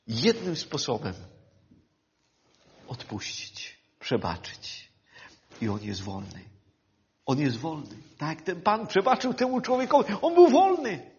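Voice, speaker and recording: A man preaching a sermon, swinging between loud fervent passages and hushed quiet ones, often calling his listeners dear ones. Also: high-pitched. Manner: addresses listeners as "kochani". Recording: dull lo-fi sound.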